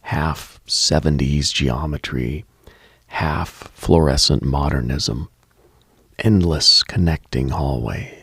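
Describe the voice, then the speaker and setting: Deep, gravelly man in slow late-night monologue. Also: no echo, clean studio sound. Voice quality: gravelly, husky, breaking into whisper. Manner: hushed, deliberate, storytelling with pauses. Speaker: late-night radio host.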